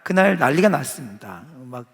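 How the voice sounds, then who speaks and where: Gravelly pastor preaching in a reverberant hall. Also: male voice, medium pitch, sing-song, normal speed. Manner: conversational, asks the audience questions. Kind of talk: sermon. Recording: long church-hall reverb.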